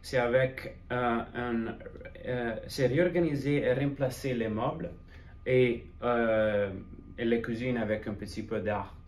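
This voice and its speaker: A man's voice: medium pitch, steady tone, a little slow, a little mellow. Italian-accented man in an echoey room. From Italy. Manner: brief answers, non-native French mixed with English terms. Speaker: guest, interior designer. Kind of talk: conversational interview answers. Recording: roomy echo, noticeable background noise.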